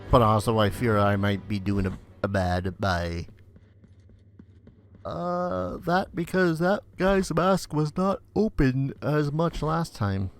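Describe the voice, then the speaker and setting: With game music in the background, a man hosting a let's play speaks slowly in a mid-range voice full of lively intonation. His commentary is casual: muttered asides, a bit of mild swearing, and the odd bit of game text read out loud.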